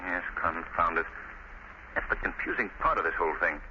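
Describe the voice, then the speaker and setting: An actor playing a shrewd gentleman detective in 1930s radio style, urbane, deliberate and commanding. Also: sits low. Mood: brooding. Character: shrewd gentleman detective who poses as unseen avenger. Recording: noisy, dull 1930s radio recording.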